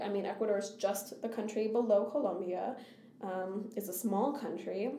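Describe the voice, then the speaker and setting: Over noticeable background noise, a woman speaks at a medium pitch and moderate pace with fairly even intonation. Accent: Upper Midwest. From Minnesota. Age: 20s. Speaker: artist and arts educator. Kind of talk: casual chat.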